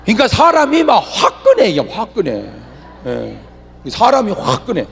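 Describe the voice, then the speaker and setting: A man preaching a revival sermon from the pulpit, humorous and animated, drawing answers back from the congregation. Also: high voice, moderate pace, creaky, slight background noise. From Chungcheong, Korea. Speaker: pastor. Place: large church revival meeting. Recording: echoey hall reverb.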